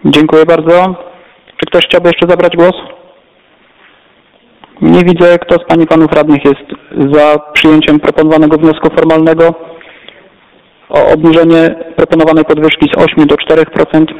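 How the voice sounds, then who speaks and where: A man chairing a council meeting, calling votes in a brisk, formal, polite manner. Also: fairly high pitch, completely flat delivery, darkish tone. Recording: echoey council chamber, dull lo-fi sound.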